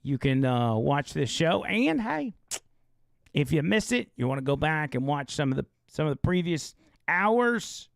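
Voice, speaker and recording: A male talk show host with a gravelly, slightly hoarse voice, chatting loosely and reading an ad. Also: a little high, very animated, a little slow, no echo, studio quality. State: losing his voice. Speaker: radio and live-stream show host. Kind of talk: casual live talk show with read ad.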